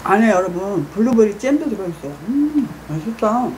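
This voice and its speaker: A mukbang host chatting casually to viewers with a mouth full of food, mumbling slowly between bites. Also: medium pitch, sing-song, darkish tone, a little hiss or hum, rough recording. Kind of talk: casual eating broadcast.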